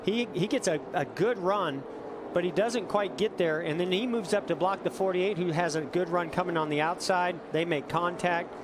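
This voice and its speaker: Explanatory male motorsport commentator, fairly high voice. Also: normal speed. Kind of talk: analytical race commentary. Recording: noisy race broadcast, engine roar. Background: race cars and outdoor track noise.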